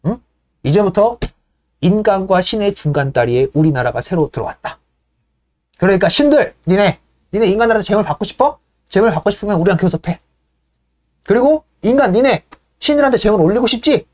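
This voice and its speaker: A woman's voice: medium pitch, lively intonation, brisk, a little mellow, lightly acted. A woman playing a brash, scheming Athenian man who hectors the birds and keeps prodding them for agreement.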